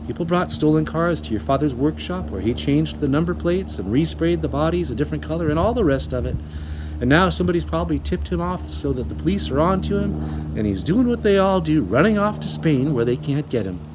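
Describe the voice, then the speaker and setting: A man voicing a gentle, kind female schoolteacher in a storybook reading. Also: a little high, expressive, a little fast, noisy background, voice pushed up, close to an everyday voice. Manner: soft and gentle.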